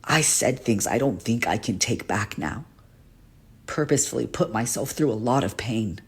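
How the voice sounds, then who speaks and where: A man acting a husky, earnest, haunted guardian. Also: mid-range voice, a little mellow, full character voice. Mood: pained, regretful. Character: gentle guardian teacher, male shapeshifter haunted by a painful past. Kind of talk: dramatic character monologue for a voice reel.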